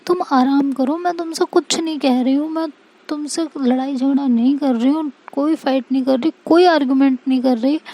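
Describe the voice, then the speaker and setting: A woman playing a firm young woman, insistent, stern, high voice, storybook. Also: steady tone, moderate pace, vocal fry, warm tone, low-quality recording. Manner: firm, insisting, then snapping.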